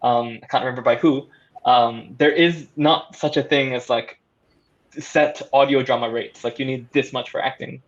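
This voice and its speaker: A man's voice: medium pitch, steady tone, normal speed, highs cut off. A man speaking as a panelist in a casual discussion, articulate and wordy, with emphatic phrasing. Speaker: audio drama producer on a panel.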